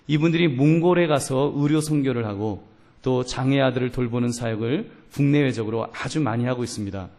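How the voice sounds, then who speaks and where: A man preaching a sermon at a middle pitch for a man. He talks with emphasis, putting rhetorical questions to the congregation and telling stories in between. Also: warm tone. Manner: storytelling with voiced quotes. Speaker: pastor.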